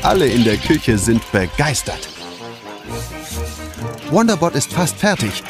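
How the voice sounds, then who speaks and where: A man tells a scripted children's story. His mid-pitched voice moves expressively up and down. Music plays clearly underneath. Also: very animated, a little slow. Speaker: narrator. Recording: music behind the narration.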